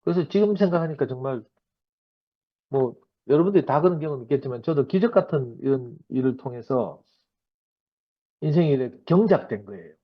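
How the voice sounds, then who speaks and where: A man in his fifties with a Gyeongsang accent, giving a sermon-style personal testimony to a church gathering in a lively storytelling manner. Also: on the high side, breathy edge. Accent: Gyeongsang Korean. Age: 50s. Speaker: church member giving a talk. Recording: dull lo-fi recording.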